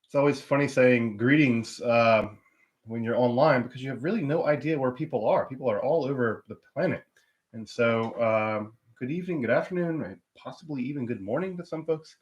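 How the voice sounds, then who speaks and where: A man's voice: medium pitch, a little fast, muffled recording. A man hosting his own live stream, talking casually with lots of fillers and restarts while stuffed up with a cold. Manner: rambling, many fillers and restarts. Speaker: channel host.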